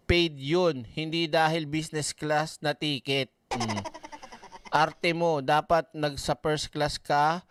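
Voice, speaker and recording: A man's voice: on the high side, fairly bright tone, clean tone. A man doing casual ranting commentary, blunt and swearing often, reading viewer comments aloud. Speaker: online commentator.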